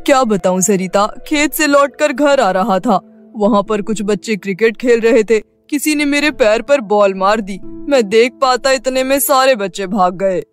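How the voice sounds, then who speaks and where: A man's voice: sits high, measured pace, faint music behind. A man voicing a complaining middle-aged village father in a cartoon story. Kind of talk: cartoon voice acting.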